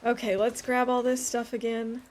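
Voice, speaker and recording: A woman's voice: a little high, level tone, normal speed, slight background noise. Chatty woman streamer who laughs a lot. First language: English. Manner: chatty, laughs often, reads and answers chat. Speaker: game streamer. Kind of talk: casual chat while playing.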